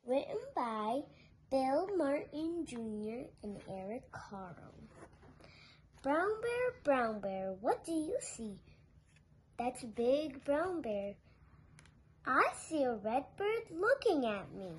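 A little girl reads a picture book aloud with big swoops in her voice. She takes her time, stressing repeated phrases in a singsong and dropping softer for asides. It is a home phone recording with faint background noise. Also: high voice, sing-song, takes it slowly. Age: child. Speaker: young reader presenting a picture book. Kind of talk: read-aloud to young children with simple asides. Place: living room sofa at home. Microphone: phone held nearby.

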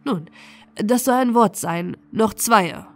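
A woman's voice: mid-range voice, slow, soft background music, natural voice. A woman voicing a sturdy, cheeky male butcher in a storybook, forthright and fond of proposing toasts. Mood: toasting. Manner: forthright, convivial, declamatory. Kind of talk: storybook character voice in an audiobook.

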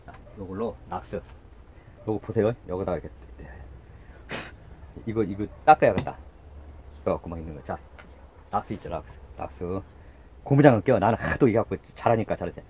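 A middle-aged gardening channel host demonstrates garden work outdoors by a house, chatting casually as he works, repeating short words and muttering asides. His deep, slightly mellow voice moves a little fast with long pauses, and the recording is muffled with a bit of hiss or hum.

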